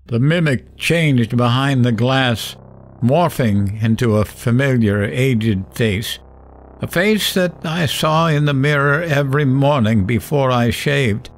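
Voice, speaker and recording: A man's voice: medium pitch, takes it slowly, slight background noise. An actor playing a terrified middle-aged late-night radio host, narrating his horror ordeal in a dramatic first-person audio drama style. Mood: dread.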